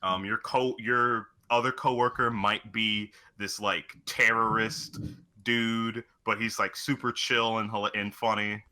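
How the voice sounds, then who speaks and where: A man's voice: lowish voice, little pitch movement, a little slow, sharp tone. A man talking casually about video games as a co-host, rambling along and swearing freely. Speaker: podcast co-host.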